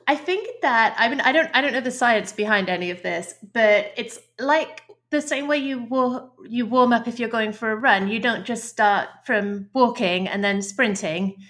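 A woman's voice: a little high, normal speed, few pauses, fairly bright tone. A woman, a podcast guest explaining her ideas in a thoughtful, chatty way, often restarting phrases. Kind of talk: podcast interview.

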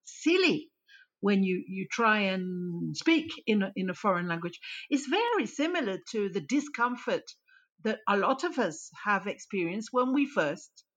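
A woman's voice: mid-range voice, sing-song, unhurried, a bit bright. A woman language teacher answering interview questions in a thoughtful, explanatory way. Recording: muffled lo-fi line.

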